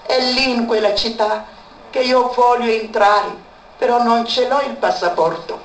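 A woman's voice: fairly high pitch, fairly even intonation, a little slow. Woman sharing a personal testimony, emphatic repetition; faint noise behind, reverberant space. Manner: repeats words for emphasis. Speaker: speaker giving a testimony. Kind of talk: emotional spoken testimony. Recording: echoey room, far from mic, faint background noise.

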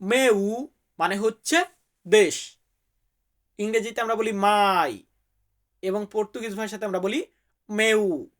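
Speaking slowly and high, with long pauses, a man from Bangladesh teaches vocabulary. He repeats every word for viewers to echo and warmly addresses them as brother.

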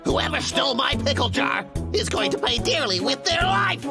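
An actor playing a hot-tempered, blustering villainous logger in a cartoon, boastful and exaggerated. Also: male voice, very high voice, sing-song, moderate pace, gravelly, heavily acted. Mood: outraged. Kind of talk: animated cartoon dub. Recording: loud music behind the voice.

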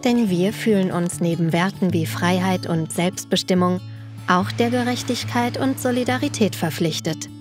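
Woman, scripted narration, even presenter delivery, low-ish voice, guitar behind. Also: normal speed. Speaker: foundation narrator. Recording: music bed underneath.

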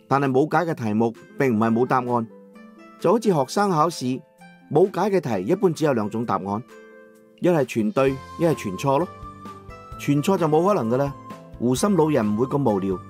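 An audiobook narrator with a Cantonese accent and a medium-pitched voice reads a novel in the first person, dramatizing the story expressively.

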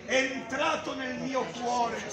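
A middle-aged man preaching loudly on a busy town street, declaiming and gesturing, filmed from a distance by a camera. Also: extremely high pitch, fairly even intonation, slow. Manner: loud, declaiming, gesturing with a Bible. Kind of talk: open-air street preaching. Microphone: far camera. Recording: echoey street with crowd noise. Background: crowd and passers-by.

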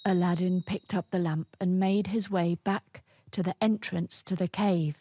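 A woman narrating a children's story in English with a clear, teacherly manner. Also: fairly low pitch, steady tone, a little slow, dark tone.

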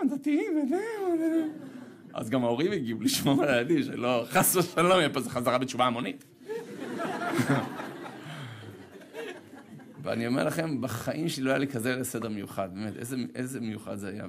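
A rabbi giving a sermon, telling a personal story with humor and acting out the voices of others. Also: male voice, vocal fry. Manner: animated, humorous, self-deprecating storytelling; acts out dialogue with sharp pitch jumps.

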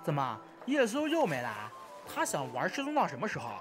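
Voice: medium pitch, wildly swooping pitch, music in the background. A performer in an amateur radio drama playing a hyperactive young male gamer who chatters, repeats words and badgers indignantly. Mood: excited, indignant. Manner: rapid-fire, repetitive, badgering.

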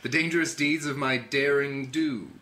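Man acting a bright, jittery cartoon space braggart. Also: medium pitch, steady tone, normal speed, natural voice. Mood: evasive. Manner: theatrical, jittery, joking. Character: young cowardly bragging male space adventurer, flippant, flustered. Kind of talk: cartoon table read. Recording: noisy informal room recording.

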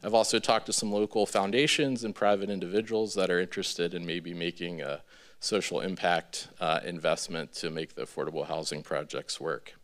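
A man in his thirties giving an informal presentation as a developer, in a halting, hesitant way with many ums. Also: low-pitched, steady tone, a bit bright. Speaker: real estate developer presenting a project. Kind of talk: informal public presentation with slides. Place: large indoor meeting room with seated audience. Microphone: podium gooseneck microphone.

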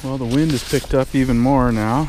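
A man's voice: mid-range voice, normal speed. A middle-aged man from the United States, a fishing vlogger talking casually on a rocky lake shore while he fishes. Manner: relaxed, explanatory, excited when hooking fish. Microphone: camera mic, often head-mounted. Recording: outdoor wind noise.

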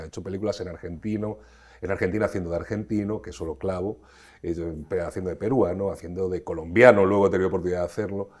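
A man's voice: low voice, a little mellow. A middle-aged man from Spain, an actor being interviewed, telling stories expansively with frequent restarts. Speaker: actor, guest. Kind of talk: conversational interview.

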